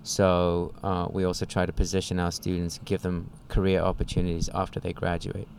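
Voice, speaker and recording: A man's voice: low-pitched, monotone, a little fast, creaky, a little mellow, a little hiss or hum. A man co-running a music school, answering an interview question by steadily listing what the school offers. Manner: lists points steadily, with "uh" fillers.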